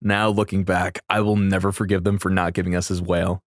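A man giving casual, slangy, excited reaction commentary on video game trailers, full of exclamations. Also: deep voice, a little fast. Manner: slangy, exclamatory, gushing fan talk. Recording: game music behind the voice.

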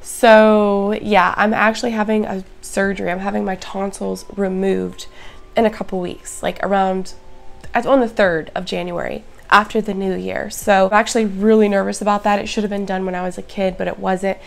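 A woman chatting casually to her viewers in a plant vlog, her voice hoarse and raspy. She is upbeat and talks to the audience directly. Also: medium pitch, level tone, moderate pace. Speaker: plant vlogger. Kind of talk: casual show-and-tell vlog.

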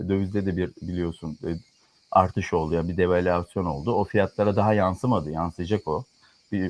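A man's voice: low voice, a little mellow. Argumentative man talking economics. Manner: argumentative, lectures in firm repeated clauses. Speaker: economics commentator. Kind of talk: casual political chat.

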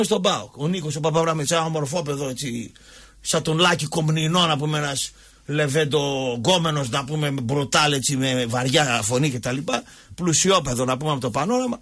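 A husky, fairly high-voiced man. He hosts sports radio and tells stories loudly in street slang, throwing in sound effects. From Thessaloniki, Greece. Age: 50s. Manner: rowdy, slangy, acts out fights with sound effects. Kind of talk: boisterous storytelling chat.

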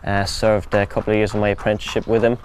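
A young man whose first language is German, a jockey answering interview questions in an outdoor stable yard, relaxed and full of "you know". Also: on the low side, fast, slight background noise.

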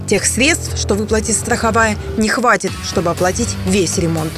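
A woman reading scripted news narration in a measured, wry way. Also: medium pitch. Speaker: news reporter. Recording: voice-over with music underneath.

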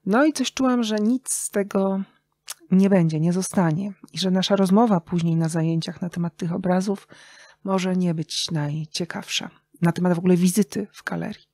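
Low-pitched middle-aged woman, very dry sound. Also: moderate pace, mellow, no echo. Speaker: interview guest, radio journalist and writer. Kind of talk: conversational interview, anecdotal storytelling.

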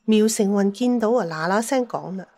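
A woman's voice: medium pitch, moderate pace, warm tone, no echo. A woman telling a dramatised story as an audiobook narrator, with a Cantonese accent.

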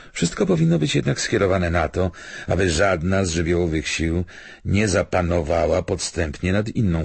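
Deep, husky, thoughtful gentleman, voiced by a male narrator. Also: no room sound, heavily acted. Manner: thoughtful, hesitant, argumentative. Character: reflective, measured male stranger debating philosophy.

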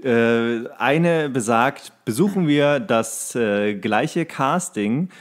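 A man co-hosting a podcast in a casual, joking, somewhat halting and colloquial chat. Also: mid-range voice, animated. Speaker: podcast co-host.

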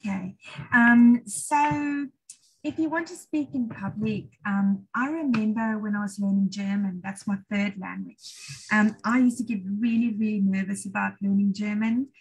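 Middle-aged South African woman, encouraging trainer, husky, video call. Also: medium pitch, moderate pace, poor audio. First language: English or Afrikaans. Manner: chatty, encouraging, self-deprecating. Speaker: IELTS trainer hosting a webinar. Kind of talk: webinar Q&A answers. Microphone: laptop video call.

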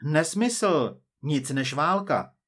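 A man voicing a cold, persistent male agent from the future, measured and quietly menacing. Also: on the high side, lively intonation, husky, pitched above the performer's own voice.

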